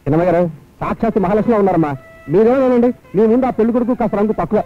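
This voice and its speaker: A young man acting as a chatty, flattering servant in a film scene. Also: high voice. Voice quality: rapid, flattering. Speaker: film hero. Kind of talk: Telugu film dialogue. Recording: tinny lo-fi film soundtrack, music.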